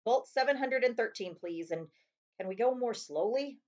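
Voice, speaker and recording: A big, gruff, kindly storybook man, voiced by a woman reading aloud. He talks in folksy, clipped rustic phrases and grumbles easily. The sound is slightly dull, like a simple home recording. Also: fairly high pitch, lively intonation, normal speed, darkish tone, voice pushed up, close to an everyday voice. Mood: helpful.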